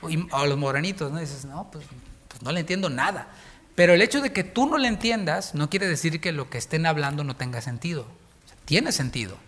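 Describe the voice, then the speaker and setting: Mexican pastor, man, fairly high voice, preaches to his congregation, reads verses slowly and breaks them down with jokes. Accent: Mexican Spanish. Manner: reads scripture slowly, then explains in lively joking asides. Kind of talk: sermon. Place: church congregation.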